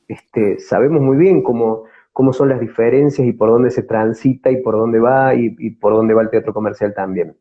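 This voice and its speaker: Córdoba-accented Argentine man, dull lo-fi sound. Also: mid-range voice. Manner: hesitant, searching, repeats words as he goes. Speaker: theatre company actor, interview guest. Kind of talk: conversational interview answers.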